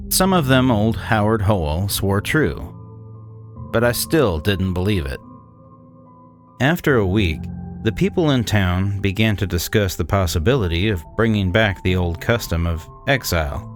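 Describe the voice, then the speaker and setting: A man playing a cynical, disdainful 1800s swindler, narrating a gothic horror tale in a measured, condescending way. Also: fairly low pitch. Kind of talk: scripted dramatic horror narration.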